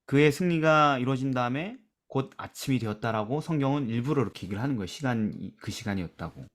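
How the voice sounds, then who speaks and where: A man's voice: lively intonation, fast talker. Man leading a scripture discussion. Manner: asks questions and drops to a soft low voice at phrase ends; reads scripture aloud with emphasis. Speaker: Bible study discussion leader. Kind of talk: church lesson discussion.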